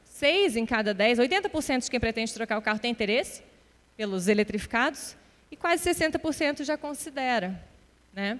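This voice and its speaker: In a Minas Gerais accent, a woman with a high pitch speaks at a fairly quick pace with lively intonation. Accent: Minas Gerais Brazilian Portuguese. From Brazil, Minas Gerais. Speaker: tech company industry lead, conference speaker. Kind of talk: conference talk.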